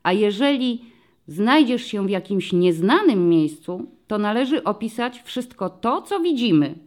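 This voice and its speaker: Woman reading as a friendly cop talking to a class of kids, calm and patient, voice going up and down a lot. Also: mid-range voice. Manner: calm, explaining slowly to children. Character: middle-aged male police commissioner, patient and friendly. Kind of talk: audiobook story reading.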